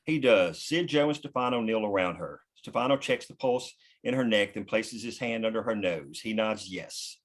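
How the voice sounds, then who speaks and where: A man's voice: fairly low pitch, expressive, moderate pace, hardly any pauses. A man reading stage directions as the narrator of a screenplay, in scripted narration.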